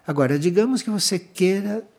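A man giving an earnest, measured spiritual talk, repeating his key phrases as he explains. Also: high-pitched, vocal fry, a little mellow. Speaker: spiritual teacher.

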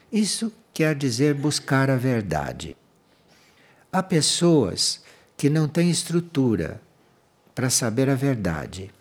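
A man giving an earnest, measured spiritual talk, repeating his key phrases as he explains. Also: mid-range voice, a little mellow, husky. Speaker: spiritual teacher.

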